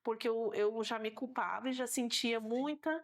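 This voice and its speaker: A woman's voice: on the high side, steady tone, moderate pace. A woman with a Brazilian Portuguese accent, a guest on a talk show, sharing her faith testimony and acting out her own past words as she tells it.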